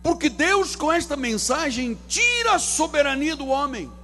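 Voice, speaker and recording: A man pastor, preaching a sermon from the pulpit with theatrical swings between loud and hushed delivery. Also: very high voice, animated, normal speed. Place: church sanctuary.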